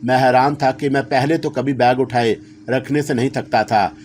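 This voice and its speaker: A man's voice: medium pitch, steady tone, normal speed, darkish tone, slight background noise. A man telling a first-person horror story in a dramatic, scripted narration style.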